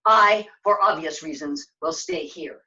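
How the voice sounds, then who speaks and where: Woman playing a gentle, earnest fatherly knight. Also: low voice, far from the mic, lo-fi sound, voice pushed down, heavily acted. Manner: measured, instructive, reassuring. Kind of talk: live puppet show storytelling.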